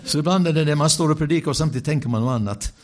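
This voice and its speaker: A male preacher giving a sermon built around a personal story, animated in the telling with wry asides, and dropping to a hush for the quiet moments. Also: on the high side.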